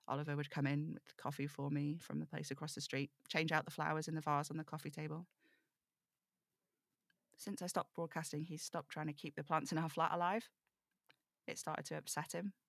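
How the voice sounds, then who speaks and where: A woman acting as a lonely, reflective broadcaster who confides in her listeners in a measured, intimate audio drama monologue. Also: sits low, a bit bright, no room sound, clean studio sound. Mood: wistful, subdued. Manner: measured, confiding, wistful storytelling.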